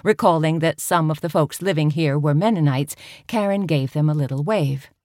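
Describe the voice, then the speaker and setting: A woman reading a novel aloud as an audiobook narrator, in a gentle, even storytelling manner. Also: deep voice, moderate pace, no echo, clean studio sound. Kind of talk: scripted narration.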